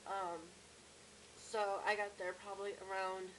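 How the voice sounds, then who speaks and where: A young woman with a cracky, strained voice and sore throat, talking casually and haltingly in a personal video diary. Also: medium pitch, level tone, a bit bright, poor audio. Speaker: vlogger. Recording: clear background noise, room ambience.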